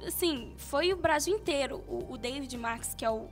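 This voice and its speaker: A young woman from Minas Gerais with a Mineiro accent, a guest singer telling her story with animated, laughing self-quotes. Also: high-pitched, moderate pace, faint music behind. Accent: Mineiro Brazilian Portuguese. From Minas Gerais, Brazil. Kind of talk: casual interview chat.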